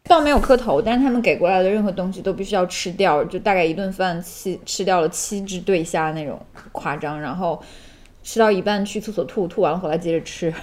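Woman telling lively anecdotes. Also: lowish voice, fast talker. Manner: lively storyteller, laughs through anecdotes. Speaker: podcast co-host. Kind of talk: casual chat.

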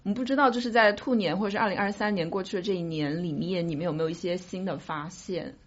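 A woman's voice: lowish voice, fast talker. A woman hosting a podcast, chatting casually with friends in a group. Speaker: podcast host. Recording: dull lo-fi sound, faint noise, clicks.

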